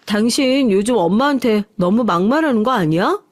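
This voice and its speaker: An earnest grown daughter, voiced by a woman reading a radio story, coaxing and a little raised in pitch. The sound is dry and close. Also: lively intonation, moderate pace, dry recording, lightly acted. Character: devoted adult daughter, worried wife.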